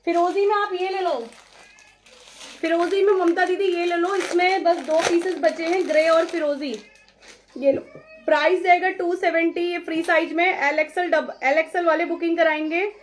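A woman hosting a live saree sale, chatting briskly with viewers, taking bookings and calling out their names, slipping English phrases into her Hindi. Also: very high voice, fairly even intonation, a little hiss or hum. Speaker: saree seller on live stream. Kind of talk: live-stream sales chat.

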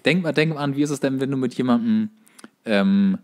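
A man's voice: medium pitch, fairly quick. A man co-hosting a comedic podcast, teasing and quizzing in a casual, wry way. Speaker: podcast co-host. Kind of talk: casual comedic banter, quizzing his co-host.

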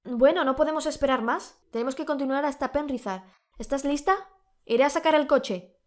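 A woman's voice: on the high side, fairly quick, lightly acted. A woman voicing an anxious, brusque young husband calling out to his wife. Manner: urgent, calling out loudly.

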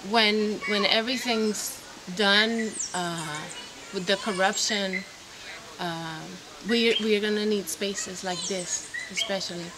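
A woman's voice: medium pitch, fairly even intonation, slow. A woman, earnestly explaining in an interview outdoors, with hesitations. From Puerto Rico. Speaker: farmer and volunteer. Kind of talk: interview answers. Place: outdoors by a bottle wall. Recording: outdoor camera audio with background noise.

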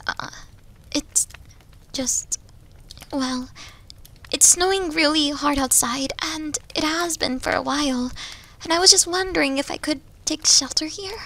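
A woman's voice: sits high, sharp tone, full character voice. A woman voicing a shy, starving young wolf girl in an ASMR roleplay, hesitant, apologetic and stammering, often slipping toward a whisper. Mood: timid, pleading. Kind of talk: ASMR roleplay audio drama.

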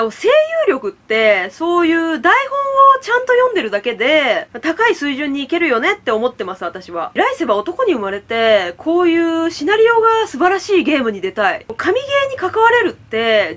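A woman with a light lilt gushes through a casual game review. Her high voice swoops all over the place as she piles on excited asides. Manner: excitable, gushing, quick asides and laughs. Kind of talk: casual fan review chat.

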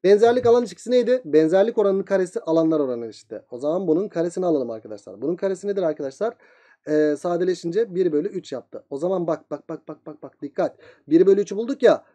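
A male teacher rattles through a geometry review at a breakneck pace. His voice sits high for a man but has a mellow, soft-edged tone. He keeps asking the students' questions himself and then answering them. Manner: very fast talker, voicing student questions himself. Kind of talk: geometry lesson.

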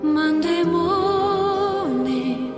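A woman singing a slow, tender ballad. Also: extremely high pitch. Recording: echoing, with loud music. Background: loud music.

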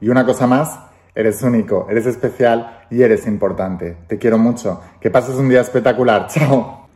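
A man speaks at a mid pitch, preaching to a phone camera held close in a room indoors. He is emphatic and repeats his phrases for effect. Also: normal speed, darkish tone. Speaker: motivational speaker. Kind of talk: direct-to-camera motivational talk. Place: indoor room with wooden ceiling and windows.

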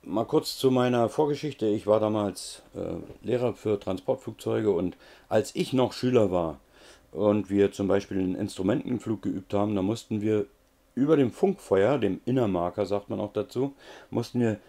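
Middle-aged guy teacher, lowish mellow voice, chatty, lots of uhs. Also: normal speed, gravelly. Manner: relaxed, chatty, many filler sounds, repeats memory words rhythmically. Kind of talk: casual explanatory lesson.

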